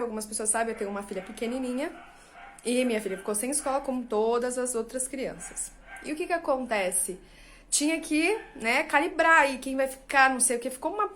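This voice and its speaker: A woman in her thirties with a Brazilian Portuguese accent, an astrologer talking casually and openly to her viewers, confiding and animated, often checking in with little tag questions. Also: on the high side, a little hiss or hum. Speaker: astrologer and channel host. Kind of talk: casual personal talk to viewers.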